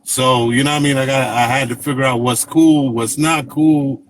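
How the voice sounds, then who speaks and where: A man in his fifties from Jamaica, telling stories as an interview guest in a relaxed, rambling way, full of fillers. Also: mid-range voice, normal speed, rough recording. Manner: relaxed, rambling, many fillers and "you know what I mean". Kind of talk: casual interview storytelling.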